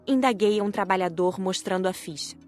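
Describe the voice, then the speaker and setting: A woman narrating a scripted audiobook story in the first person, with measured, careful enunciation. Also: medium pitch, a little mellow, faint music behind.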